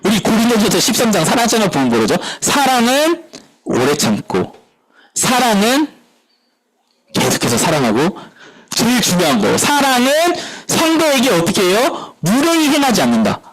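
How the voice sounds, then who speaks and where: A man preaching a sermon as pastor at a church service, animated, asking the congregation questions and answering them himself. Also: high-pitched, normal speed, a little hiss or hum, rough recording.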